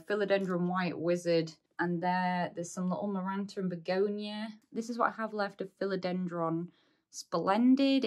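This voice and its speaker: A young woman, a little hoarse, chatting casually with frequent "uh"s as she walks through her houseplants. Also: on the low side. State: slightly hoarse. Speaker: houseplant vlogger. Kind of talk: casual plant tour walkthrough.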